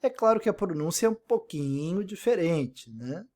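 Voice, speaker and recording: A man's voice: high-pitched, lively intonation, moderate pace, mellow. A man teaching an English lesson in Portuguese, explaining step by step and repeating example words, often checking in with "né?". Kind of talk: recorded online language lesson.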